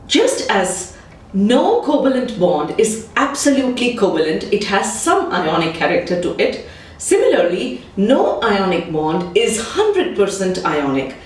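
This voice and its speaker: A woman chemistry teacher giving a patient, step-by-step explanatory lesson. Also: mid-range voice. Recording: echoey room, distant mic.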